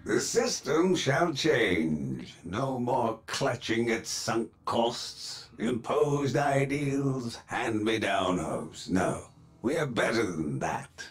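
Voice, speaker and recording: A calculating corporate patriarch from a video game. He speaks slowly and theatrically, with wide swings of pitch and silky condescension, over faint music. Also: expressive. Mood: brooding, persuasive. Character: calculating, silky corporate patriarch, middle-aged or older man, villain. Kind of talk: video game villain monologue.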